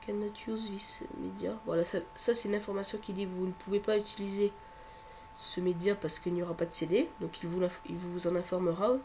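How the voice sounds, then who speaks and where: A man's voice: high voice, little pitch movement, a little fast, darkish tone. A man with a head cold walks viewers through a computer tutorial. He talks hesitantly, leaning on fillers and restarting his sentences. A faint hum sits under his voice. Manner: hesitant, filler-heavy, repeats words. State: has a cold. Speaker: tutorial presenter. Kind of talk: screen-recording tech tutorial.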